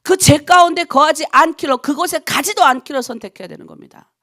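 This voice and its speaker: A woman's voice: sits high, a little fast, bright, forceful tone. A middle-aged woman pastor preaching a dawn prayer sermon, appealing to her congregation with heated rhetorical questions. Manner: impassioned, rhetorical questions to the congregation, quoting others in voices. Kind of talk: early-morning prayer sermon.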